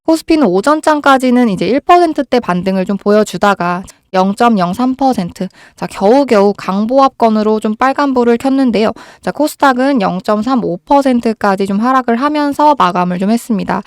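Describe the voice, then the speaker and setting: A woman's voice: a little high, expressive, a little fast, few pauses, dry recording, studio quality. A woman hosting a market commentary, explaining things to viewers in a polite, reassuring way, her voice a little strained by a cold. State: has a cold, slightly strained voice. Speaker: host of a stock market channel.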